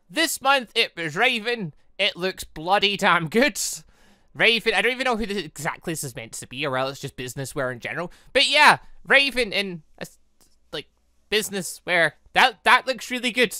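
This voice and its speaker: A gaming host giving casual, rambling, excitable commentary over a playthrough, chatting informally. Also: mid-range voice, no room sound, clean studio sound. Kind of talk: casual playthrough commentary, reading dialogue aloud.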